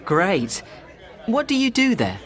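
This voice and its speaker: A speaker voicing a friendly questioner in a scripted practice dialogue for learners, with a very lively sing-song intonation. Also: medium pitch, slow pace, some chatter behind, heavily acted. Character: friendly questioner meeting new people.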